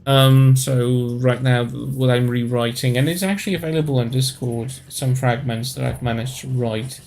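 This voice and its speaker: A man in his thirties from Poland, speaking English with a Polish accent in a casual live-stream chat, pausing often to search for words. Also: mid-range voice, steady tone, creaky, a little mellow, soft background music. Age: 30s.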